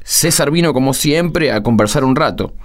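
A man's voice: medium pitch, lively intonation, moderate pace, slight background noise, natural voice. A man playing a humble, hesitant Argentine craftsman. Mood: sheepish, explaining. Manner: hesitant, colloquial, explanatory. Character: humble, good-hearted workshop craftsman owning up to friends. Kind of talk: radio theatre dialogue.

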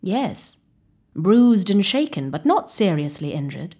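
A woman reading the part of a kindly, calm senior physician, an older man who speaks soothingly. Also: fairly low pitch, takes it slowly, husky, exaggerated voice. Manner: kind, soothing.

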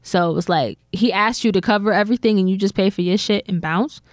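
A woman on a podcast walks through celebrity gossip at an easy, rambling pace, dropping "um" and "like" as she goes. Her voice sits at a middle pitch and is recorded close and dry, with no room sound around it. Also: dry recording. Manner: chatty storyteller, drawn-out filler-laden retelling. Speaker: podcast co-host. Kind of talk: casual gossip chat.

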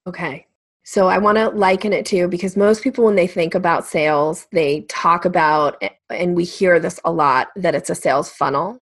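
A woman's voice: on the low side, moderate pace, no room sound. A woman sales coach explaining her method as a podcast guest, conversational and emphatic.

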